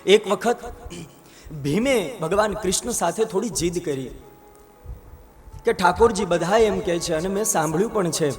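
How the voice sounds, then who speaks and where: A high-pitched male preacher with a Gujarati accent tells a sacred story at a temple gathering. His delivery is impassioned and swells into loud, emphatic appeals. Faint devotional music plays softly behind him. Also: measured pace, pauses often. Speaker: katha storyteller.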